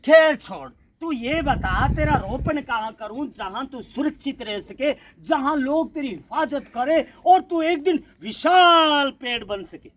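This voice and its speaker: A man's voice: very high-pitched, slow, hardly any pauses, a little hiss or hum. A man performing a theatrical monologue on stage, talking with feeling to a young sapling. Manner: emotional and animated, talks to a sapling.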